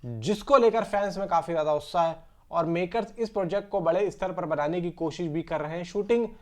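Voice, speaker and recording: Speaking a little fast in a high voice, this man rambles through film news, addressing his audience as bro. He talks to them directly, as if to friends, in a conversational way.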